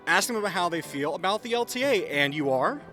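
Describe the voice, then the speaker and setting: An upbeat young man interviews fans outside an event entrance. His voice sits high and sounds bright. He fires off quick questions with faint music behind him. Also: lively intonation. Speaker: host, interviewer. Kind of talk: casual street interview.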